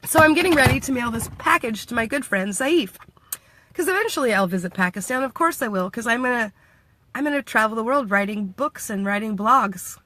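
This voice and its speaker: This Washington State vlogger from the United States has a fairly high, expressive voice that is bright and forceful, and she talks briskly. The recording is dry. She chats playfully in a casual vlog, often laughing and acting out what others said.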